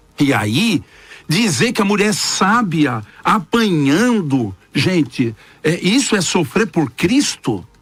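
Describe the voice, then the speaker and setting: Over music in the background, a man with a high voice speaks very slowly, his pitch swinging very widely. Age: 60s. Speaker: pastor and psychologist. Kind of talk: panel discussion.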